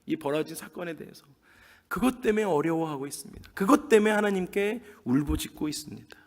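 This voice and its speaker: Man preaching a dramatic sermon, high voice, long echoey church hall sound. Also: animated, fast. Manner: dramatic, emphatic preaching that acts out quoted speech. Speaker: pastor. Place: church sanctuary. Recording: long reverb of a large hall.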